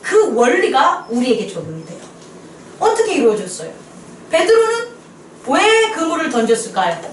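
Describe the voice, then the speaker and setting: A woman preaches a sermon in a small church, her voice very high and animated as she keeps turning questions to the congregation. She slips English phrases in among her words. The sound is roomy and echoey, and she is a little way off the microphone. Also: moderate pace, slight background noise. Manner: lively questioning of listeners, mixes English phrases. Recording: echoey room, voice a bit far from mic.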